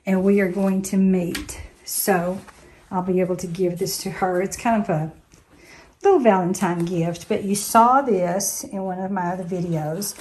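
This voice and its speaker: A woman in later life, a retired teacher, chatting casually to her vlog viewers in a slightly hoarse voice and thinking aloud as she goes. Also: mid-range voice, fairly even intonation, measured pace, darkish tone, a little hiss or hum. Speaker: vlogger.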